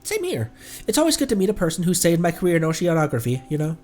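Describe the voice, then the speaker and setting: A man's voice: a little high, huge pitch swings, fast talker, darkish tone, faint music behind. A man voicing a polite, enthusiastic researcher from a fantasy game, chatty and courteous as he reads the dialogue aloud. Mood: friendly, earnest.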